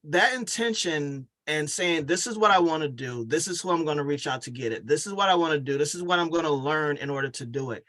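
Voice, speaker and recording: A man's voice: fairly high pitch, pushed and bright. A man hosting a conversational interview, affirming his guest and speaking in motivational, coach-like phrases. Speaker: podcast host and coach.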